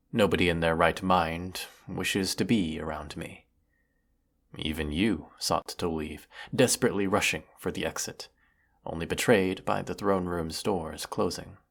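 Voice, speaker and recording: Casting: male actor as evil space emperor for audio drama, husky and unhurried, cruel, theatrical, secretly lonely, formal villain delivery. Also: heavily acted. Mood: brooding, confiding. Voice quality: gravelly, husky, low. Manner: measured, theatrical, menacing, formal villainous drawl. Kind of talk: scripted sci-fi audio roleplay monologue.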